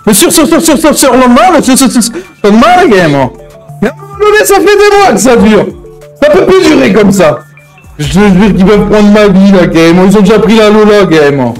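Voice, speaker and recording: A man's voice: high-pitched, sing-song, normal speed, faint music behind, rough recording. A man playing a hot-headed, menacing gang member in an improvised online crime roleplay, talking in slang with repeated verbal tics. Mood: angry, menacing.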